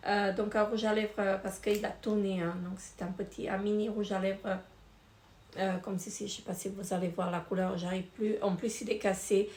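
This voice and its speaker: A woman's voice: mid-range voice, flat delivery, moderate pace, darkish tone. Hesitant woman reviewing products, echoey room. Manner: hesitant, many fillers and repeated words. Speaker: beauty vlogger. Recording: echoey room with faint noise.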